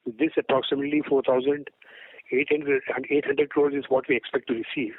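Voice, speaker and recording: Indian executive on a phone line. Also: male voice, medium pitch, flat delivery, brisk, no echo. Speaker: company executive answering analysts. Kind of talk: earnings call Q&A, unscripted. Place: telephone conference call. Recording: phone-line conference call.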